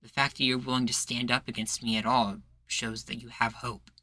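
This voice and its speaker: A man's voice: medium pitch, flat delivery, fairly quick, bright, forceful tone, dry recording. A man playing an earnest, persuasive rebel leader in a roleplay, making speeches with a folksy turn of phrase. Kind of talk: roleplay ASMR acting.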